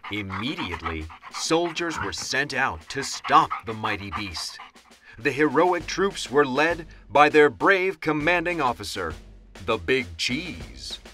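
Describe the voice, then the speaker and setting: A man's voice: medium pitch, very animated, takes it slowly, pushed and bright, soft background music. A man narrating a children's audiobook in a dramatic, theatrical and suspenseful storytelling style.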